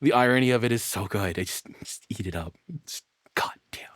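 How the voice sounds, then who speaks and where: A man giving casual, off-the-cuff reaction commentary, sarcastic and quick to swear. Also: fairly low pitch, fairly bright tone, dry recording. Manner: sarcastic, profane. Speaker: reaction streamer.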